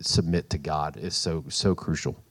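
A middle-aged man sharing a comment in a group discussion, halting and repeating words as he thinks. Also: very deep voice, steady tone, a little hiss or hum. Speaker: participant in the group.

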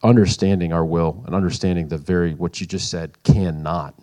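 A middle-aged man sharing a comment in a group discussion, halting and repeating words as he thinks. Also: low-pitched, fairly even intonation, dark tone. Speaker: participant in the group.

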